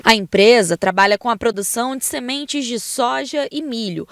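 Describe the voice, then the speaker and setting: High-voiced Brazilian woman news reporter. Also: normal speed, slight background noise. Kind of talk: scripted news report narration.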